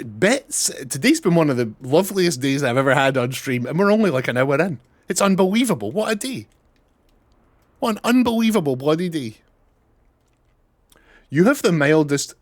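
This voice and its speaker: A young man from Scotland with a mild Scottish accent, chatting excitably through a casual game stream, thanking followers and swearing now and then. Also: fairly high pitch, no echo. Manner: chatty and excitable, swears, reads out chat names. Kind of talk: casual live-stream gameplay chat.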